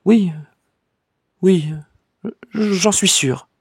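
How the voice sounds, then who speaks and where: A man's voice: a little mellow, husky, no echo, studio quality, heavily acted. A man putting on a trembling, tearful lady. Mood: hesitant. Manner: falsetto, halting and tearful. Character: distraught, trembling society lady, timid and pleading.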